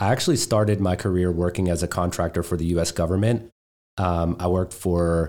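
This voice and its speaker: In a very clean recording with a silent background, a man with an American accent speaks at a fairly quick pace, his very deep, low voice dark and mellow in tone. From Pittsburgh, US. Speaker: manufacturing startup founder. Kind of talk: interview.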